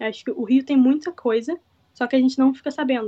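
A woman talks with fairly even intonation. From Rio de Janeiro, Recreio. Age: 20s. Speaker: economics student. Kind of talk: interview.

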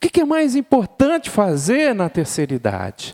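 In a dry, close sound with no echo, a man talks at a fairly slow pace with very wide pitch swings. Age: 50s. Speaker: pastor. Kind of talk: sermon.

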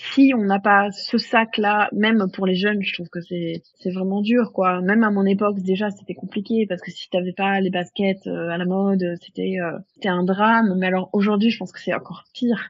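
Speaking at a moderate pace, a woman has a plain, everyday voice. Her medium pitch holds fairly even intonation. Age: 30s. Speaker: fashion stylist. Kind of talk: casual interview chat.

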